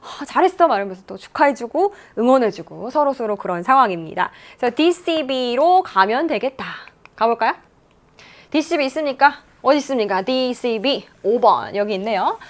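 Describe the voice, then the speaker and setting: Woman teacher doing an exam lecture, highish voice, super animated ups and downs, slow english reading then quick explaining. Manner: lively, reads English lines slowly then explains in Korean.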